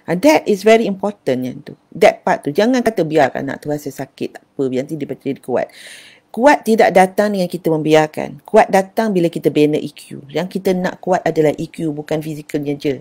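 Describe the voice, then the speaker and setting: A woman's voice: sits low, animated, a little fast, hardly any pauses, a little mellow, slightly rough. An older woman, giving an affectionate, casual talk on parenting and addressing her listeners as dear. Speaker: parenting speaker.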